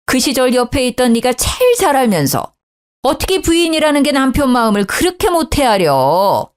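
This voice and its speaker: A harsh middle-aged mother-in-law snaps and scolds in shrill, rising bursts, as a woman puts her on. Her voice swings widely as she nags, raising it to a shout and sighing in disgust. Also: sing-song, moderate pace. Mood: scolding.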